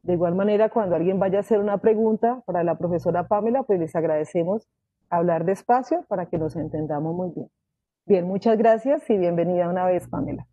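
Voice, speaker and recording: A woman moderator formally introducing a guest speaker in a measured, organized way. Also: fairly low pitch, no echo. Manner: measured, organized, addressing an audience. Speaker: host and moderator. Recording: tinny, phone-like, dry audio.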